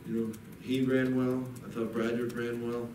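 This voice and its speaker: A middle-aged man, a head coach at a postgame press conference, talking haltingly with many restarts into a desk mic. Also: medium pitch, little pitch movement. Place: press room in front of a backdrop. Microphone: table mic on a desk. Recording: echoey room, mic a bit far, audible noise.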